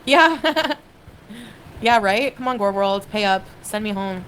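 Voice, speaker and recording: A woman's voice: mid-range voice, lively intonation, slow pace, fairly bright tone, a little hiss or hum, low-quality recording. A woman from Canada chatting on a livestream, hesitant and rambling, with lots of fillers as she reads viewers' comments. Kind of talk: casual livestream chat.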